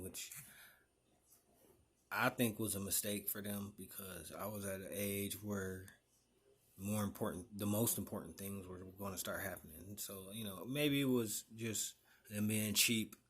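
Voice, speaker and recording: Low husky Detroit man. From Detroit, Michigan. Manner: relaxed, rambling, many fillers and restarts. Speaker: vlogger. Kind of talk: casual introductory vlog.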